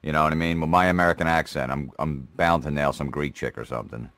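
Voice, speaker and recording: Brief: low-voiced man, quick and pushy, crude prank caller, dry sound. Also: fairly even intonation, a bit bright, no room sound. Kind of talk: cocky prank phone call.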